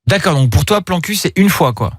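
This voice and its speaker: A man hosting an evening call-in radio show, relaxed and teasing, with many fillers and a studio mic. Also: sits high, fairly quick, slightly rough, no echo. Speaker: radio host.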